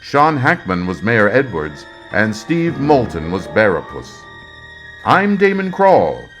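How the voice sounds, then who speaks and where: Man, radio drama host, measured dramatic narration, fairly low animated voice, music underneath. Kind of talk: old-time radio announcer narration. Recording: music behind the voice.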